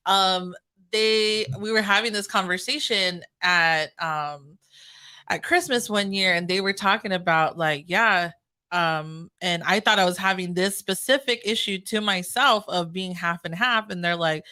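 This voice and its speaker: A woman hosting a relaxed podcast chat, her voice bright and ringing. She talks candidly and animatedly, with the odd curse slipped in, like she is catching up with a friend. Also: fairly low pitch, unhurried. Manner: candid, animated, swears casually. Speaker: podcast host. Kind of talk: casual conversational interview.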